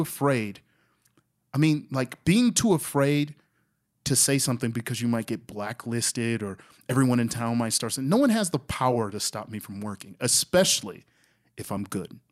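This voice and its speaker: A man's voice with very wide pitch swings. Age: 20s. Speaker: independent filmmaker. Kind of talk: casual chat.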